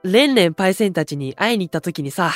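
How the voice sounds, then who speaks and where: Hyper boyish idol kid, blunt and slangy, anime audio drama, dry sound. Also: male voice, high voice, expressive, fast, dry recording, faint music behind. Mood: earnest, flustered. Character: bright, impulsive, straightforward young male station idol.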